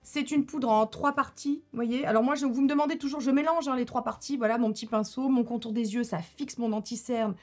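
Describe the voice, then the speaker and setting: A woman's voice: a little high, steady tone, fairly quick, hardly any pauses. A woman, chatting casually to camera about her favourite beauty products and laughing often. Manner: chatty, laughs often, repeats herself for effect. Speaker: beauty YouTuber.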